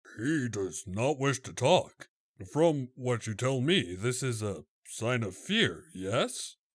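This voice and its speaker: A put-on character voice from a man, medium in pitch and fairly slow, on a very clean recording with a silent background. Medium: audio drama. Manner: formal, measured, literal.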